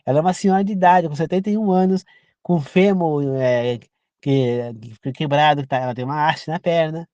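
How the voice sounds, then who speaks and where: A man's voice: fairly high pitch, brisk, darkish tone, no echo, muffled recording. A man from Brazil giving an informal sermon, earnest and repetitive, often turning to the listener with direct questions. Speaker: preacher. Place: rural home.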